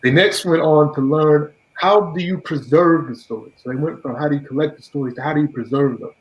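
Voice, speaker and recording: A man, the program's director, giving a measured graduation speech with frequent fillers and restarts. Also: on the high side. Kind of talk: ceremony speech. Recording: dull lo-fi sound.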